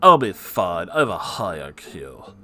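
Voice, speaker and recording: A man's voice: sits low, very animated, a little slow, pushed and bright, faint music behind, full character voice. A man voicing a big, awkward, boastful teenage male student in a story reading, with a smug, blunt manner. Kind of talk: character voice in story narration.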